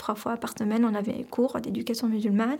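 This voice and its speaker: A woman's fairly high voice against noticeable background noise. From Algeria. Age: 20s. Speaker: student. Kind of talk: testimony. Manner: halting, with many fillers.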